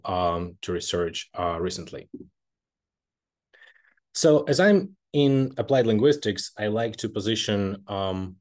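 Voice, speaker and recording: A man's voice: deep voice, a little mellow. Hesitant young man presenting a webinar. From Kazakhstan. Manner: hesitant, frequent ums and uhs. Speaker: webinar presenter, postdoctoral researcher. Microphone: laptop mic on video call.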